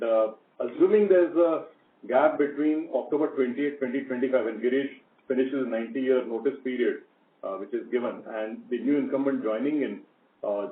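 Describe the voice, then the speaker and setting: A man speaking as a company executive, giving unscripted answers on a business call. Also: mid-range voice. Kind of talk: spontaneous corporate question and answer. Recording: distant, echoey phone-quality conference line.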